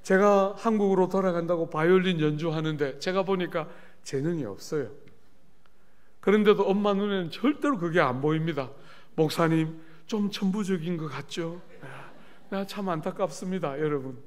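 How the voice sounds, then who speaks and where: A middle-aged man preaching at a church revival service, telling lively stories and often turning to the congregation with questions. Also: high voice, normal speed. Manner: animated storytelling with asides to the congregation. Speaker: pastor. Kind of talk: revival sermon. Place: church sanctuary.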